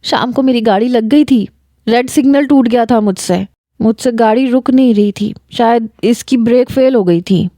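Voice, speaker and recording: A woman's voice: a little high, warm tone, no room sound, natural voice. A woman reading a story aloud and voicing a hot-tempered young woman who scolds with a raised voice. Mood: indignant.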